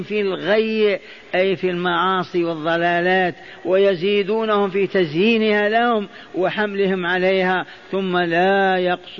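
High-voiced man teaching Quran verses. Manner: repeats phrases, stops to quiz listeners. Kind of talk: lesson explaining Quran verses. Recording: dull lo-fi recording.

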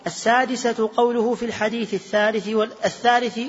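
Male student reader, very high and fast, steady recitation; long hall reverb, muffled lo-fi sound. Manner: steady recitation, self-correcting slips. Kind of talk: reading a text aloud to a teacher. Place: large mosque hall.

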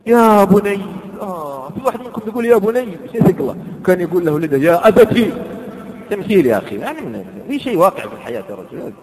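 Fast-talking preacher guy, high voice, echoey hall, tells stories and chants verses slow. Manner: animated storytelling, quotes verses in slow drawn chant. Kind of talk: lively sermon with anecdotes.

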